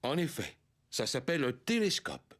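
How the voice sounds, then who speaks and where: A kindly old grandfather in a children's cartoon. He teases and explains playfully, with a lively voice that swings up and down. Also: mid-range voice, moderate pace. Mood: explaining.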